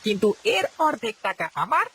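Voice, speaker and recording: A woman's voice: a little high, big pitch swings, fairly quick, a bit bright, slight background noise. Meek village servant man. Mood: explaining. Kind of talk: dubbed cartoon acting.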